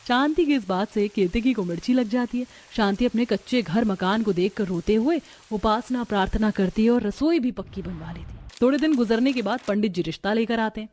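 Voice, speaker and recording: A woman giving scripted story narration in a brisk, matter-of-fact way. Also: a little high, a little mellow.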